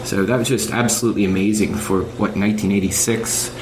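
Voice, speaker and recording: A man talking casually as a podcast panelist about games, explaining things in measured, articulate phrases. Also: steady tone. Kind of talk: casual video game discussion. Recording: noisy low-quality online voice chat.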